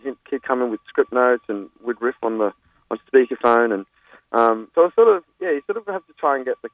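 A man rattles off stories at a brisk clip, stumbling over restarts and laughing as he goes. His voice comes down a thin, tinny phone line. The sound is dry, with no room around it. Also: medium pitch, dry recording. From Australia. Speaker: guest comedian. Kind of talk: phone interview, anecdotes.

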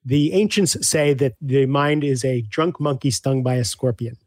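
A man speaking as a guest coach in a casual interview, animated, acting out back-and-forth dialogues with clients. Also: medium pitch, moderate pace, no room sound, studio quality.

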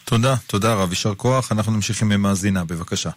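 Low-voiced radio host reading questions. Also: male voice, no room sound. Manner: brief, polite, reads out text questions with hesitations. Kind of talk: moderating a call-in show.

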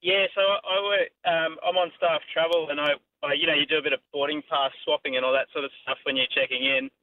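A man's voice: on the high side, steady tone, fast. An Australian man calling a radio phone-in, telling a casual anecdote in an easygoing, matey way. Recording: tinny phone line, faint noise.

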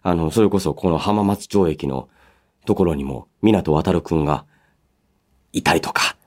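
A man hosting a solo radio show, chatting and reading listener mail in an animated way, slipping between polite announcing and casual asides. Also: sits low, a little slow. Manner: animated storytelling with sound-effect words and casual asides.

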